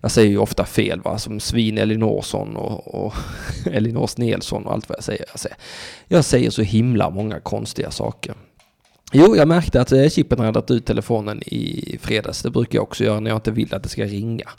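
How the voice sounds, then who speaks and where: A man's voice: lowish voice, vocal fry, dark tone. A man hosting a call-in show on his own, rambling, sarcastic and profane as he talks straight to his listeners and the chat. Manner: addresses listeners and chat directly. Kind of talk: casual solo call-in radio monologue.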